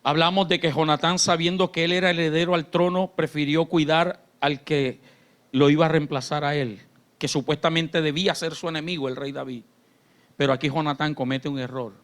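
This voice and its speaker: A man pastor, preaching a sermon in church. His delivery swings between shouted fervor and quiet, confiding talk. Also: fairly high pitch, steady tone, fairly quick. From Colombia. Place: church sanctuary.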